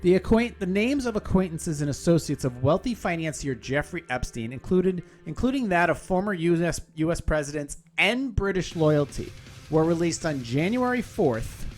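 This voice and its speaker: A man's voice: on the high side, expressive, moderate pace, soft background music. A man hosting a podcast, reading a news article aloud with casual, profane, rambling asides and frequent self-corrections. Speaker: podcast host.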